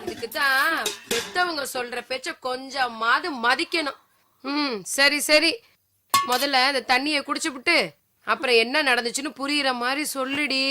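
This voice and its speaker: A woman's voice: high-pitched, natural voice. A woman playing a practical, scolding village sister-in-law with a rural Tamil Nadu accent, plain-spoken, in naturalistic film drama.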